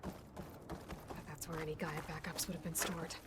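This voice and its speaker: A woman's voice: sits low, flat delivery, unhurried, very noisy. A woman playing a determined young tribal hunter in a video game, muttering wryly to herself as she explores. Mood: quietly pensive. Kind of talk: video game cutscene acting.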